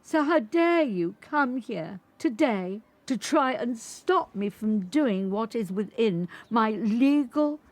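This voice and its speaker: A proud eighteen-year-old trans woman, acted by an older actress, stands up for herself in an audio drama. The voice is lifted in pitch, firm and declamatory, with slow, deliberate phrasing. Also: animated. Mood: hurt, defiant. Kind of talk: dramatic monologue, quoted speech.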